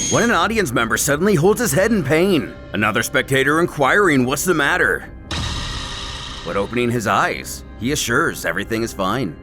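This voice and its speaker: A man's voice: mid-range voice, bright, forceful tone. A man giving a scripted story narration in a wry, playful, dramatic way. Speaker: narrator of a comic recap series. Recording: music under the voice. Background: background music.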